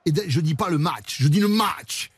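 A man's voice: a little high, lively intonation, moderate pace, breathy edge, no echo. A radio host voicing an overdone male rugby interviewer with a put-on southwest French accent, drawling and sing-song. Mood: mock-solemn.

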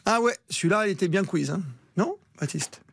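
A man hosting a sports radio show with lively, bantering talk about betting. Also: high-pitched, a little fast, vocal fry, husky, dry recording, studio quality.

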